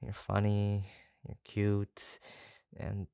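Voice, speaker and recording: An actor voices an obsessive kidnapper in an intimate roleplay audio drama. The delivery is slow and halting, with a gravelly fry, coaxing and gushing with devotion yet faintly menacing. It sounds close and dry. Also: low-pitched, completely flat delivery, mellow, no echo, heavily acted. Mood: tender.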